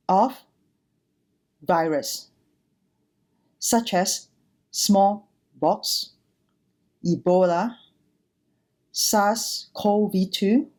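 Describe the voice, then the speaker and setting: Slow, mellow woman giving a dharma talk. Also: mid-range voice. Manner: measured, deliberate phrasing. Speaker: Buddhist nun and temple director giving a dharma talk. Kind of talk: prepared dharma talk addressed to viewers.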